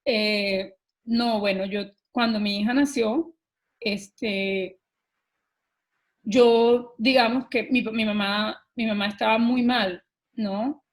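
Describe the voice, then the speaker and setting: A middle-aged woman with a Colombian accent speaks in a slightly high voice. She tells her own story as a podcast guest, earnest and lively. She often pauses on small filler words before carrying on. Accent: Colombian Spanish. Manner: earnest and animated, often pausing with "eh" and "este". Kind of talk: personal storytelling in an interview.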